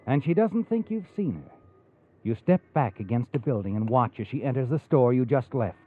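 A man's voice: mid-range voice, animated, normal speed, close to an everyday voice. A man playing a knowing, taunting, ominous narrator in a 1940s radio mystery, addressing the listener on a muffled old recording. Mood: knowing, suspenseful. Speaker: host and narrator.

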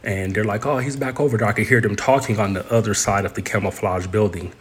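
A man's voice: lowish voice, quick pace, husky. A man telling a personal story in an interview, speaking conversationally and loosely, with many "you know"s and "pretty much"es. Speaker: interview guest.

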